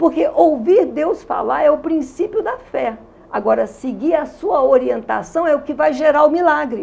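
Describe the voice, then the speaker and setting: A woman with a high voice talks in an animated tone with lively intonation at a fairly slow pace. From Rio de Janeiro, Brazil. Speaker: churchgoer giving testimony. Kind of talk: testimony.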